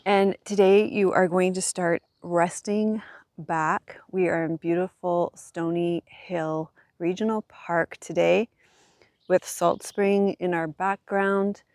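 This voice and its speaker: A woman guiding a yin yoga class as the teacher, speaking gently and soothingly in measured phrases with pauses. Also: on the low side, steady tone, dry recording. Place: outdoors in a regional park.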